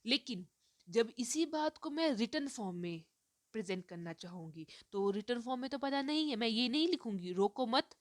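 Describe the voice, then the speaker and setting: A woman teacher giving a recorded lecture on teaching reading. She explains step by step, mixes English terms into her sentences and fills pauses with "uh". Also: fairly high pitch, animated, dry recording, studio quality.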